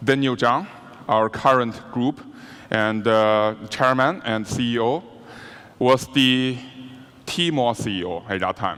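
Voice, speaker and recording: With music in the background, a man speaks in a Chinese accent at a medium pitch. His pace is very slow, with long, frequent pauses. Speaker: business executive. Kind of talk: conference keynote speech. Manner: halting, many fillers.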